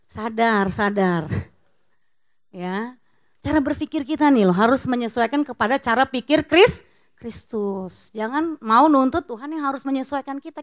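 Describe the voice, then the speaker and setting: A woman pastor giving a lively, conversational sermon full of rhetorical questions and casual slang. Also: high-pitched. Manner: teasing, slips into casual slang.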